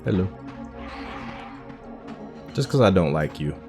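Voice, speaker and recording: A man's voice: sits low, lively intonation, slow pace, gravelly, over music. A man hosting a casual game playthrough, thinking aloud about the story while he plays. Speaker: gaming channel host. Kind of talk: casual let's-play commentary.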